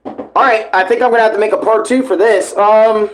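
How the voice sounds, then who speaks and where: Slangy, swearing male livestreamer, slightly high voice. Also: fairly even intonation, brisk, slight background noise. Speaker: livestreamer reacting to a comic dub series. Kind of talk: casual live reaction commentary.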